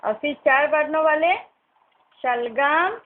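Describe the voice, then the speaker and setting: High-voiced patient woman teacher, tinny. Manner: slow, patient, sounding out syllables. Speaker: primary school teacher. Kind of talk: recorded online class lesson. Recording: tinny phone-like recording.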